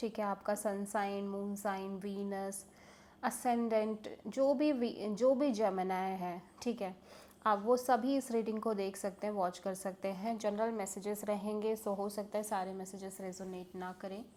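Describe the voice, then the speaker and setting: A woman talks with a dark, mellow tone at a medium pitch. Her intonation is fairly even. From Uttar Pradesh, India. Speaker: professional tarot card reader. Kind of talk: tarot reading to camera.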